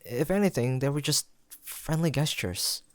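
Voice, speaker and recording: A man's voice: on the high side, animated, no room sound, lightly acted. Man acting as a lovestruck young man, close and dry. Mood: playful, incredulous. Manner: conversational, hesitant, halting delivery with sighs and soft chuckles. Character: tender, playfully teasing young man, lovestruck childhood best friend. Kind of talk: intimate romantic audio roleplay spoken to the listener.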